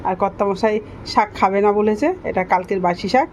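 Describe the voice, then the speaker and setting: A woman's voice: medium pitch, brisk, darkish tone. A middle-aged woman chatting casually to viewers, repeating herself as she explains her cooking. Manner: repetitive, explaining each step to viewers. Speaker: home cooking vlogger. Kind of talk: casual vlog chat. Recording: noisy home recording with ambience.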